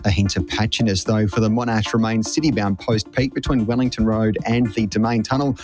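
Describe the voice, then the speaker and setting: A man with an Australian accent reading a brisk radio traffic report. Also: on the low side, steady tone, a little mellow.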